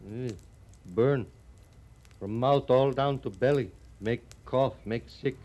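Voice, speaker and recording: A man's voice: mid-range voice, takes it slowly, mellow, highs cut off, natural voice. An actor playing a sly, wounded Native American man fond of whiskey, in terse broken English, in an old-time radio western. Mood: curious, wary.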